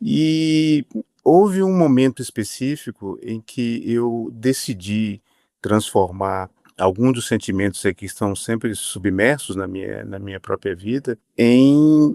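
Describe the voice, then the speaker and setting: A man's dark, mellow voice at a very slow pace, with a dry, close sound and no echo. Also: very clean recording, silent background. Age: 60s. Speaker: writer and philosophy professor. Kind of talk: interview. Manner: hesitant, with repetitions.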